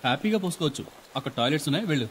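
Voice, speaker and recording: A man's voice: fairly high pitch, lively intonation, very fast, a little hiss or hum, natural voice. An actor playing an irritated traveling businessman who answers curtly, in a film comedy scene. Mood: exasperated. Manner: curt and exasperated. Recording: film audio with music behind.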